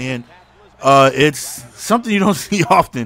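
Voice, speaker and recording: A man speaks with lively intonation. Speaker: gaming YouTuber. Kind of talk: gameplay commentary. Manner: casual, conversational. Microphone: new clearer microphone.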